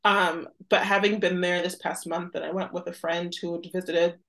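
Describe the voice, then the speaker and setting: A woman's voice: lowish voice, little pitch movement, normal speed, fairly bright tone. Woman, twenties, American accent, podcast guest, conversational, reflective, peppered with "like". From United States. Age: 20s. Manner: reflective, frequent "like" as filler. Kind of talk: casual conversational interview.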